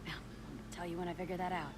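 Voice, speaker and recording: A woman playing a confident young undercover rebel in an animated series, brisk and self-assured. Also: lowish voice, noisy background, natural voice. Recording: music under dialogue.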